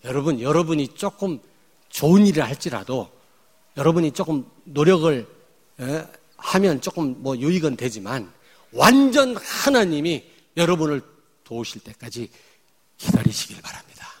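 A male pastor preaching a sermon, emphatic, jumping from loud outbursts to quiet asides. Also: on the high side, sing-song, moderate pace, breathy edge, big-room sound. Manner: acts out angry confrontations in quoted speech. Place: church.

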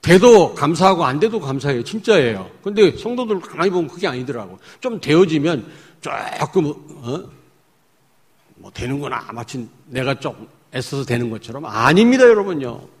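A male pastor preaching a sermon emphatically, swinging between loud points and hushed asides. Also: fairly high pitch, sing-song, moderate pace, husky. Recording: echoey hall.

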